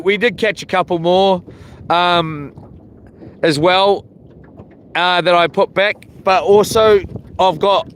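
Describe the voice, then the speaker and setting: A man's voice: sits high, a bit bright. A man with a broad New Zealand accent, chatting casually and rambling along as he hosts a fishing livestream from a boat. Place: outdoors on a small boat. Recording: clear outdoor boat and water noise.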